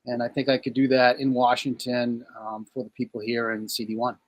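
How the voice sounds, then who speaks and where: A man's voice: mid-range voice, monotone, fairly quick, no echo. Plain-spoken man in his fifties. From Maine, US. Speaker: police chief and congressional candidate. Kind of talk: interview guest.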